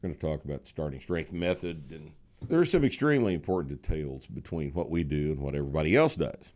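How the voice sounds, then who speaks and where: A man's voice: very deep voice, lively intonation, fast, a little mellow. A man in his sixties hosting a podcast, chatting in a blunt, sarcastic, joking way. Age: 60s. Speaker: podcast host. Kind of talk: casual chat.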